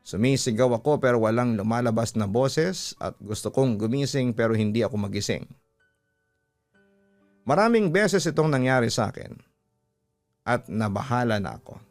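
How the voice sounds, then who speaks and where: A man's voice: medium pitch, a little mellow. A man with a Filipino accent, a radio host reading a listener's letter as a dramatic first-person story.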